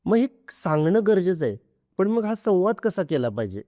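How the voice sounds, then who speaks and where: A man in his thirties or forties hosting a podcast, asking measured, formal questions. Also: high voice, sing-song, mellow, dry recording. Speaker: podcast host. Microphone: podcast microphone.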